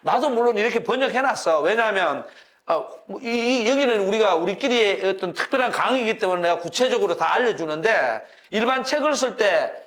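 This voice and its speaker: An older man in his sixties lectures a class in a folksy, animated way. His voice sits high for a man. He keeps checking in with his listeners and chuckles as he explains. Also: brisk. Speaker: university professor lecturing on classics.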